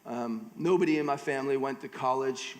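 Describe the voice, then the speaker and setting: A middle-aged man from the United States preaches a conversational sermon at a church conference in a large church auditorium, slipping joking asides between scripture readings. His mid-range voice is fairly quick and a little mellow, and the recording carries long hall reverb.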